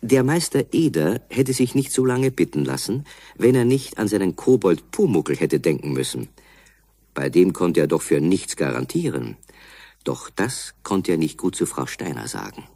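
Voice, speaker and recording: A man's voice: low-pitched, big pitch swings, moderate pace, vocal fry, mellow, dry recording, clean studio sound. A man narrating a children's story as a scripted storyteller.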